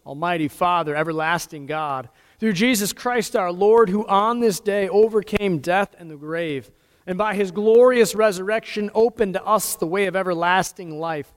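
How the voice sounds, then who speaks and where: A male pastor leading prayers and the communion liturgy in a measured, solemn cadence, his voice ringing with a cathedral-like echo in a church sanctuary. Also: high-pitched. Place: church sanctuary during a service. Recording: long church reverb.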